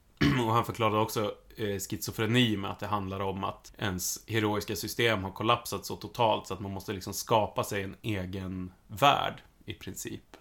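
A man with a fairly low pitch speaks at a moderate pace with fairly even intonation, in an ordinary speaking voice. His loudness swings widely on a very clean recording with a silent background. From Sweden, Oxelösund. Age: 30s. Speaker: podcast co-host. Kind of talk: casual chat.

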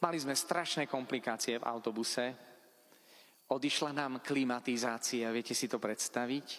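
A man's plain, everyday voice at medium pitch, fairly even and moderate in pace, in a very clean recording with a silent background. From Slovakia, Spiš region. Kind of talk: lecture to pilgrims. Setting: church, broadcast on radio.

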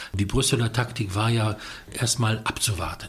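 A man's voice, fairly low and somewhat breathy, moves at a moderate pace. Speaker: radio host. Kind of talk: radio discussion programme. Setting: studio. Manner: formal.

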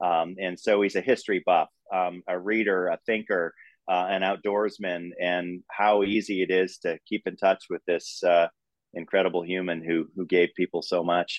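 A man's very deep, low voice in a flat monotone. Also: moderate pace. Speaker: former college runner, alumnus. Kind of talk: remembrance interview.

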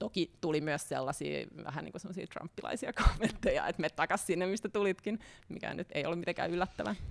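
This voice has vocal fry and ordinary pitch variation, moving at a fairly quick pace. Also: woman, fairly low pitch for a woman. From Finland. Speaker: journalist and author. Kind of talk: interview.

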